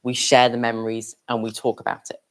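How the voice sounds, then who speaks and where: At a public event, a young adult with a mid-pitched voice addresses an audience in a plain, explanatory way. The delivery is completely flat and fairly quick.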